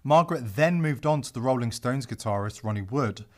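Man narrating with a lively, swinging pitch. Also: fairly quick. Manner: dramatic, with sarcastic asides. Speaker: podcast host. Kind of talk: scripted commentary narration.

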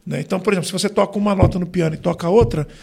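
Brazilian guy on a podcast, high voice, real gravelly and husky, explains stuff patiently. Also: very fast, darkish tone. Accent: Brazilian Portuguese. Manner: explanatory, many fillers like "né" and "tipo". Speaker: gospel singer and vocal coach. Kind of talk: podcast interview.

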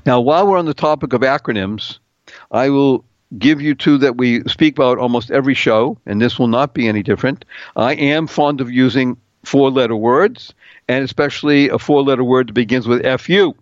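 A man's voice: medium pitch, fairly quick, dry recording, lo-fi sound. A middle-aged man hosting a talk radio show, playful and upbeat, spelling out words letter by letter and singing little bits.

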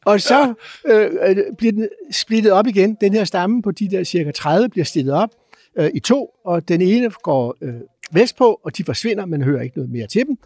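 Man, high voice, dry close sound, animated storyteller, lots of hesitations. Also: dry recording. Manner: halting, many filler sounds; lively, acts out chants and sounds. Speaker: guest explorer.

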